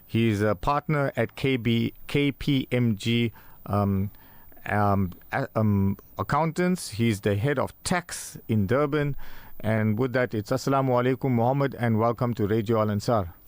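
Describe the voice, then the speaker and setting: A man's voice: mid-range voice, measured pace, clear, resonant tone, dry recording. A man from South Africa hosting a radio interview in a studio, talking casually with many fillers and restarts. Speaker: radio show host.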